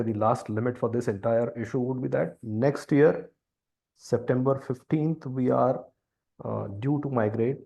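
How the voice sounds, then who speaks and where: A man speaking as a company executive on an earnings call, explaining in a halting, deliberate way. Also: lowish voice, creaky, warm tone. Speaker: company executive answering investor questions. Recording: conference call audio.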